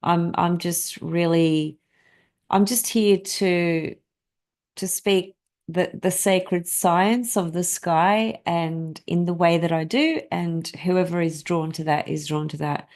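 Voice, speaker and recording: A woman's voice: lowish voice, steady tone, takes it slowly, a little mellow. A woman whose first language is Greek, hosting a casual astrology live stream and talking to her viewers in a rambling way, with many fillers and restarts.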